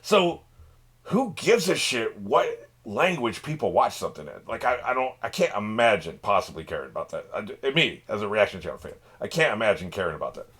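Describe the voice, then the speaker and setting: A man's voice: fairly low pitch, sing-song, brisk, fairly bright tone, slightly rough. A man hosting a reaction channel, talking off the cuff in a rambling, profane way with many restarts. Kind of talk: casual unscripted monologue.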